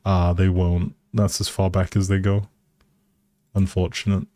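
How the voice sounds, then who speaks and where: A man's voice: low-pitched, flat delivery, measured pace, mellow, dry recording. A man giving casual live game commentary as a streamer, musing aloud in a hesitant way.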